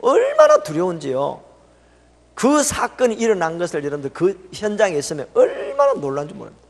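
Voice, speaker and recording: A middle-aged man preaching a revival sermon. He tells the story with laughter and swings from loud exclamations to hushed tones. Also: high voice, wildly swooping pitch, fairly quick. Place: church sanctuary. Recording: reverberant church sanctuary.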